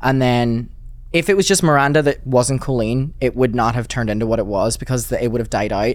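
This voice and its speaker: Someone in a Derry accent talks at a fairly quick pace. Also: man. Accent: Northern Irish (Derry). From Northern Ireland, Derry. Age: 20s. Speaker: YouTuber. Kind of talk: interview.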